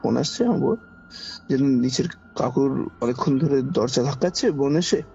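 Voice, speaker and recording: A man with a Kolkata Bengali accent and a husky, gravelly voice recounts an eerie personal experience in a conversational, dramatic way, repeating phrases for emphasis. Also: mid-range voice, normal speed, mellow. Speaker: podcast guest recounting a personal ghost experience. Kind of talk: conversational ghost-story telling. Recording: dull lo-fi audio under background music. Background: background music.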